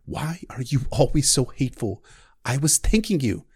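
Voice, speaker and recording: A man's voice: mid-range voice, lively intonation, normal speed, a little mellow, husky, voice pushed up. A man voicing a frightened but polite young noble girl who speaks in a strained, pleading way. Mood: hurt.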